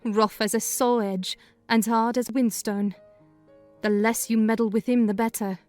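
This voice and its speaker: A woman's voice: fairly high pitch, little pitch movement, measured pace, a little mellow, faint music behind, close to an everyday voice. A woman reading a kindly, talkative older housekeeper in a dramatized audiobook. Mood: chatty. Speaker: narrator voicing housekeeper.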